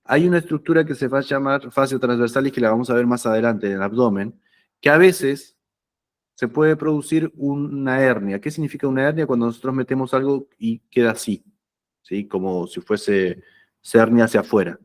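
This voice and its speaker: A man's voice: mid-range voice, normal speed. A man giving an anatomy lecture, conversational and often checking that students follow. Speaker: anatomy teacher. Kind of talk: lecture explaining slides.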